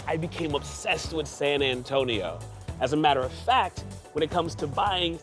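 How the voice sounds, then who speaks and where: A man hosting a home-buying show as a realtor, narrating with upbeat enthusiasm and chatting with buyers. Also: on the high side. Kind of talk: scripted narration and on-site chat. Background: background music.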